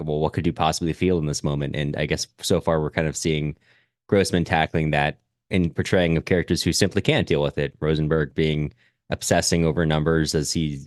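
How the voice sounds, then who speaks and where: A man co-hosting a reflective literary discussion, speaking in a halting, thoughtful way as he searches for his words. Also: rumbling low, no echo, clean studio sound. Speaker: podcast co-host.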